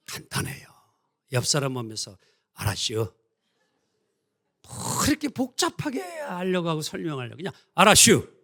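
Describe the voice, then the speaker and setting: Male pastor, Sunday sermon, animated intonation, playful dialect mimicry. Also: medium pitch. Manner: lively, playful delivery with mimicked regional dialects. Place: church sanctuary.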